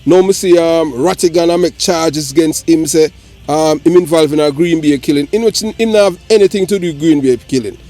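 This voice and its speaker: A Jamaican man ranting on a live political talk show, forceful and repetitive with many restarts. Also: on the high side, a little fast, faint music behind. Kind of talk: heated political call-in talk.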